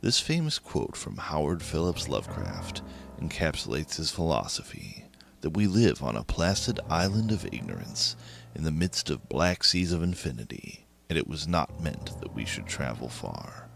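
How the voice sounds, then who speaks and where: A man hosting a horror anthology, reading scripted narration in a slow, hushed, ominous way. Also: rumbling low, huge pitch swings, creaky, soft background music.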